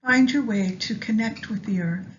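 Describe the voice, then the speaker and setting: A woman leading a guided meditation with astrology, speaking gently and in measured short phrases with long pauses. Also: mid-range voice. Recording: dull lo-fi sound, faint background noise.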